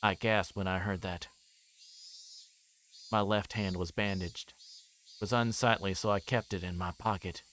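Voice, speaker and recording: A man's voice: low voice, steady tone, a little slow, long pauses, fairly bright tone, slight background noise. A man livestreaming a visual novel, reading the story aloud as narration with his own asides and voicing the dialogue. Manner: voices characters' dialogue while reading.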